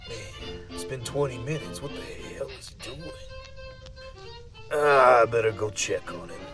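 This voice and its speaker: Actor playing a wary, coarse young man, expressive. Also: mid-range voice, a little slow, music in the background, close to an everyday voice. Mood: uneasy muttering. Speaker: story reader. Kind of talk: dramatic first-person horror narration.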